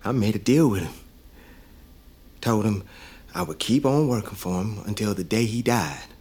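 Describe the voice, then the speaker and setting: A man's voice: on the low side, animated, normal speed, a little mellow, husky. An actor playing a hopeful young father, talking earnestly. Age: young adult. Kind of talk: audio drama.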